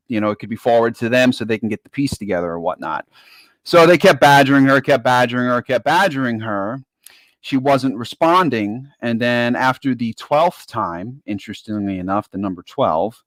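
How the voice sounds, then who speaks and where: A man's voice: medium pitch, no echo, poor audio. A man giving informal political commentary in an emphatic way, repeating phrases for stress. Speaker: guest commentator.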